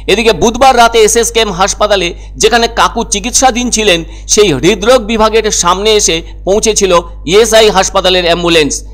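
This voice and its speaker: A man's voice: high voice, a bit bright. A man reading scripted news narration as a reporter presenting a story.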